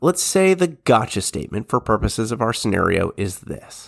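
Very wide pitch swings mark a man's medium-pitched voice at a moderate pace, on a very clean recording with a silent background. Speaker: military defense lawyer, segment presenter. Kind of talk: educational advocacy segment.

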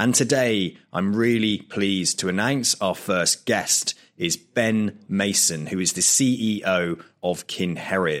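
In a British accent, a man with a fairly low pitch and ordinary pitch variation speaks at a very slow pace with hardly any pauses on a very clean recording with a silent background. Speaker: podcast host. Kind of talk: interview.

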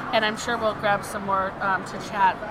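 A woman speaks at a moderate pace and medium pitch, her intonation fairly even. Noticeable background noise and audible room echo fill the recording. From US (born in Ireland, moved as a child). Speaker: podcast host. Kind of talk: casual chat. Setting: convention floor with crowd.

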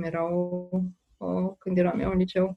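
In an unremarkable speaking voice, the woman talks at a moderate speed and a medium pitch. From Romania, Craiova (Oltenia). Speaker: playwright. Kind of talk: interview.

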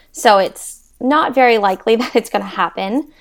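In a very clean recording with a silent background, a woman speaks in an ordinary speaking voice, fairly high in pitch, with ordinary pitch variation at a moderate pace. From Ontario, Canada (Aurora). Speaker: chiropractor. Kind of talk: interview.

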